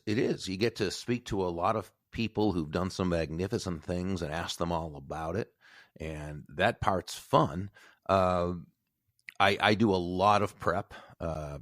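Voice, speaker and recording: A middle-aged man from Massachusetts with a faint Boston accent, talking as a guest in a casual podcast interview, measured and full of fillers. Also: low voice, no echo, clean studio sound. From Massachusetts, USA.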